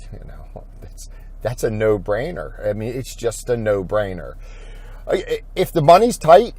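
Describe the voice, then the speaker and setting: A man talking through an informal corporate training video as an insurance agent, thinking aloud in a halting, rambling way. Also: mid-range voice, darkish tone, no room sound.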